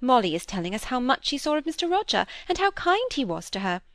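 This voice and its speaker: A woman's voice: sits high, big pitch swings, fast talker, fairly bright tone, no room sound, clean studio sound, voice pushed up, exaggerated voice. A woman voicing a bossy, gossiping elderly spinster who talks in an emphatic, scolding way. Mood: prying.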